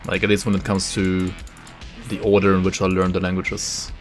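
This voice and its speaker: A man gives loose, rambling commentary on his gameplay, full of "like" fillers. Soft game music plays faintly underneath him. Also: low voice, completely flat delivery, moderate pace. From Germany. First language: German. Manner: casual, thinking aloud, many "like" fillers. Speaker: game streamer. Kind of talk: live gameplay commentary, reading chat.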